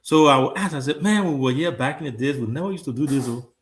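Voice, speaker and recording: A man's voice: mid-range voice, quick pace. A Liberian man in his thirties with a Liberian accent, hosting a talk show in an earnest, conversational way and often repeating words as he restarts. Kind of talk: casual talk show discussion.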